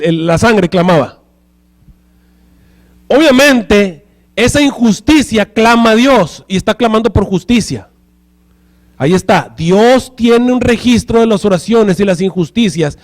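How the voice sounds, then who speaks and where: A man preaches to his congregation, his voice sitting notably high for a man. He teaches steadily and keeps turning to the room with questions like a teacher checking in. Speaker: pastor. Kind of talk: sermon.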